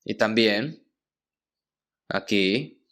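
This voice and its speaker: A man's voice: fairly low pitch, fairly bright tone. Man preaching, reading and explaining scripture. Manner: reads scripture aloud then explains it slowly; keeps checking in with listeners with a questioning hum. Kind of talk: sermon.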